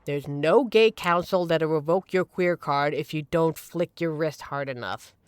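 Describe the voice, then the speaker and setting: A woman's voice: deep voice, a little slow, smooth, no room sound. A woman playing a supportive, playful young queer friend in an audio roleplay, talking casually and earnestly to reassure the listener. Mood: upbeat, encouraging.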